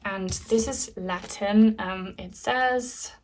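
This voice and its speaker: A woman's voice: mid-range voice, takes it slowly, darkish tone, rough recording. A woman whose first language is German, giving a casual pick-a-card tarot reading to her viewers with lots of fillers and asides. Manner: chatty, many fillers, addresses viewers as guys. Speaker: tarot reader.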